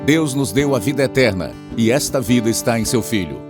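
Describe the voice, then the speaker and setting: Male announcer, Brazilian accent, mid-pitched, very varied intonation, earnest scripted evangelistic radio narration. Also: animated, a little fast. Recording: guitar music behind the voice.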